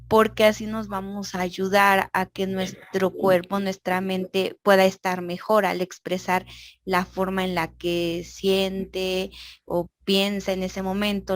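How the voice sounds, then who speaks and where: A woman's voice: mid-range voice, dry recording. A woman student answering her teacher's question in class, working through her thoughts step by step. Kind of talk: class participation.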